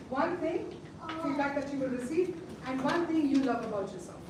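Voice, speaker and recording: Fairly quick speech with noticeable background noise and audible room echo. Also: woman. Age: 50s. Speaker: personal branding speaker. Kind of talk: workshop talk. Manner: authoritative.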